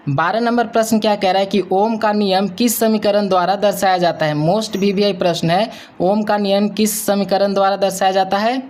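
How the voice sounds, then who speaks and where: A young man teaches as an exam coach, going through questions and answers with repetitive, emphatic explanation. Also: high-pitched.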